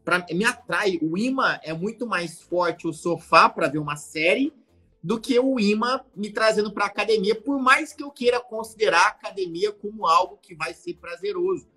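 A man's voice: high voice, moderate pace, bright, forceful tone, breathy edge, faint music behind. A man hosting a fitness live stream, thinking aloud with many fillers. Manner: thoughtful, hesitant, with many fillers. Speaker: host of a fitness channel. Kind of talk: casual live-stream chat.

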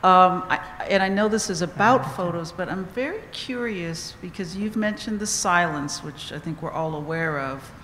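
A woman's voice: fairly low pitch, moderate pace, few pauses, fairly bright tone, slight background noise. A woman in the audience asking the panel a long, meandering question, searching for words as she goes. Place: auditorium audience. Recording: roomy echo, distant from the mic, faint ambience.

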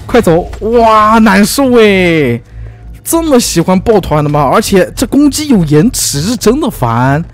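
A man giving lively, teasing commentary as he plays a video game, full of exclamations. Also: high-pitched. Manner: excitable, teasing, frequent exclamations and laughs. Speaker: gaming YouTuber. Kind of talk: let's play commentary.

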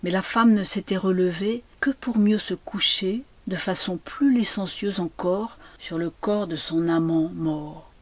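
Slow, hushed woman reading literary prose. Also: lowish voice, dry recording. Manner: slow, measured, hushed narration. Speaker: reader.

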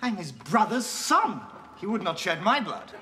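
A man's voice: sits high, very animated, measured pace, noisy background. An actor with a British accent playing a stoic, defiant young man held in a dungeon. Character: defiant imprisoned young male nephew.

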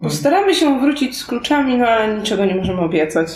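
A woman's voice: a little high, very animated, fast talker, a little mellow, slight background noise. A woman player improvising in-character questions and replies in a tabletop role-playing game. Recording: echoey room.

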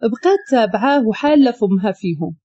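A woman's voice: a little high, animated, fast, dark tone, breathy edge, no echo, muffled recording. A woman with a Moroccan accent narrating a story.

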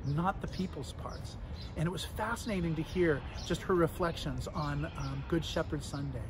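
A middle-aged man, dean of a cathedral, giving an earnest, conversational short sermon outdoors beside a stone chapel. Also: fairly high pitch. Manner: warm, earnest, conversational with fillers. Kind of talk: reflective short video sermon. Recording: outdoor street noise behind.

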